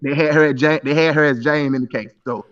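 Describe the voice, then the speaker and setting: A man's voice: a little high, fairly even intonation, fast talker, fairly bright tone. A man in his thirties arguing insistently in a live stream debate, stumbling through repeated restarts. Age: 30s. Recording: muffled voice from a distance.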